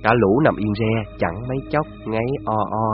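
A man, narrating a scripted story in a measured, descriptive way. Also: fairly low pitch, lo-fi sound, soft background music.

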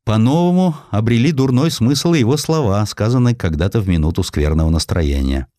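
A man reading a historical essay as a dramatic audiobook narrator, with expressive, theatrical emphasis. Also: lowish voice, a little fast, dry recording, clean studio sound.

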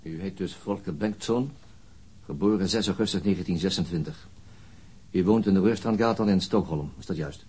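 An actor playing a persistent, controlled police interrogator in a radio crime drama, formal and probing, with a husky voice. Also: male voice, low voice, normal speed, darkish tone, slight background noise, natural voice. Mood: stern, accusing.

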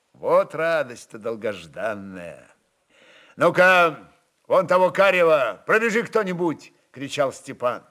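A man narrating a literary story in an expressive, dramatized reading style. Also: mid-range voice.

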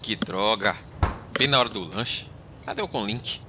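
A man's voice: lowish voice, normal speed, noisy background, natural voice. An actor playing a grumbling, indignant male spaceship captain in an audio drama. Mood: muttering, grumpy.

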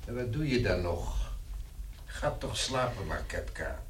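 A man's voice: on the low side, expressive, measured pace, a little hiss or hum. An actor playing a harsh, irascible, middle-aged father with a brusque, commanding manner in a radio play. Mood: weary, curt.

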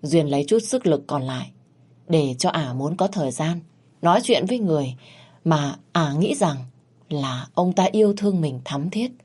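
A woman reading a scripted narration of a ghost story in a steady, measured way. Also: deep voice, slightly rough.

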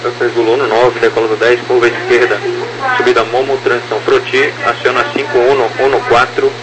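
A Brazilian man working as an air traffic controller, delivering clearances in clipped phrases over aviation radio. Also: medium pitch, flat delivery, fairly quick, a loud crowd. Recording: noisy, humming aviation radio.

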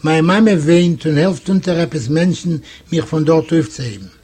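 Husky high-voiced male storyteller. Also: normal speed, a little mellow. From Eastern Europe. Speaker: audiobook narrator. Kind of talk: scripted literary narration.

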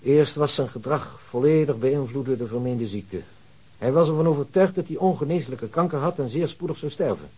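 An actor playing a self-assured hospital doctor in a Dutch radio drama, explaining things in a measured, pedantic way. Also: male voice, medium pitch, darkish tone, breathy edge, natural voice. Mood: clinical, explanatory.

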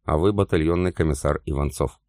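A man's voice: very deep voice, fairly quick, a little mellow, dry recording, studio quality. Man reading as a cool, probing German officer.

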